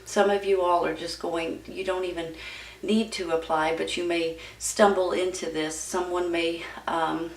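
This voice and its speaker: Female tarot reader, gravelly fry, encouraging folksy chat to viewers, recorded away from the mic. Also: on the low side, flat delivery, measured pace. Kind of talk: casual tarot reading addressed to viewers. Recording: roomy, distant mic with background noise.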